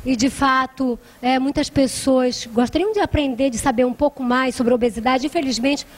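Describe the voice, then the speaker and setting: A woman's voice: high voice, moderate pace. A Brazilian woman hosting a live TV talk show, chatty and making appeals to viewers. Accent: Brazilian Portuguese.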